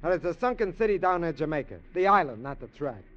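A man's voice: on the high side, very animated, fast talker, a bit bright. An actor playing an eager small-time male burglar with pushy street slang in a 1950s radio drama. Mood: scheming. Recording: dull old radio recording.

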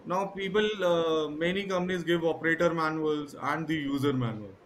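North Indian male podcast guest, high voice, emphatic, repetitive explanations, slight background noise. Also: normal speed, fairly bright tone. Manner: emphatic, repeats points, checks with "right?". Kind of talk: explanatory interview talk mixing English and Hindi.

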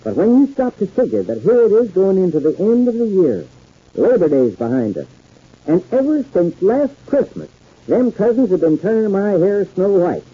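An actor playing a folksy, good-natured older American uncle in a 1950s radio soap, with homespun, rambling country talk. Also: male voice, high-pitched, big pitch swings, moderate pace, slightly rough, exaggerated voice. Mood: happy musing. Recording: dull 1950s radio recording.

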